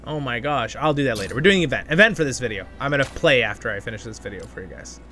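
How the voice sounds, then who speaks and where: A man's voice: medium pitch, animated, quick pace, pushed and bright. A man hosting a gaming channel, chatting enthusiastically and thinking aloud in casual gameplay commentary. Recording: music playing behind the voice. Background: music.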